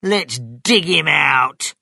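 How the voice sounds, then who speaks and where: A storybook narrator voicing an angry, excitable male farmer with a barking, forceful manner. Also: medium pitch, slow, no room sound, clean studio sound, exaggerated voice. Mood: angry, shouting. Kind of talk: children's storybook character voice.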